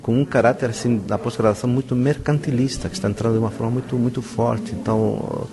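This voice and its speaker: A man's voice: medium pitch, steady tone, fast talker. A middle-aged Brazilian man, a professor, answering interview questions in an enthusiastic, emphatic way with rhetorical questions. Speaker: university professor being interviewed. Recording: crowd chatter around the voice. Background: crowd chatter.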